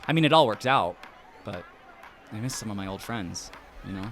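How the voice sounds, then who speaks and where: A man's voice: fairly low pitch, expressive, moderate pace, crowd noise. An actor playing an easygoing, friendly but hesitant young man in a naturally acted audio drama. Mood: wistful, apologetic. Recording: clear outdoor ambience noise behind voice.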